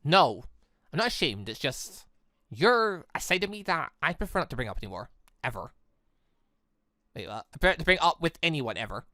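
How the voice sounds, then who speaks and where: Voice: medium pitch, sing-song, fairly quick, pauses often, pushed and bright, dry recording, studio quality, voice pushed down. A game commentator voicing an ashamed young warrior woman in a hesitant, subdued manner. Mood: guilty, uneasy.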